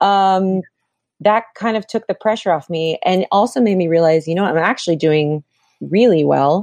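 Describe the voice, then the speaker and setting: A woman with an American accent has an ordinary speaking voice at medium pitch, using ordinary pitch variation at a moderate pace in a dry, close recording with no echo. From Florida. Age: 30s. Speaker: filmmaker and cancer survivor. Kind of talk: casual interview, personal story.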